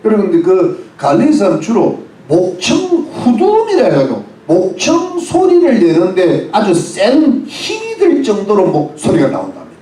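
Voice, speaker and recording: A man's voice: high voice, huge pitch swings, moderate pace, few pauses, dark tone, reverberant, recorded from a distance, rough recording. A man preaching a sermon as pastor, explaining words one by one with English phrases and asking the congregation questions. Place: church.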